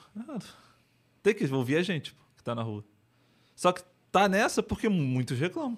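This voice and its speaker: Pausing long and often, a man speaks in a high voice with very wide pitch swings and big swings in loudness. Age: 20s. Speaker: ride-hailing driver. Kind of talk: casual chat. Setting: studio.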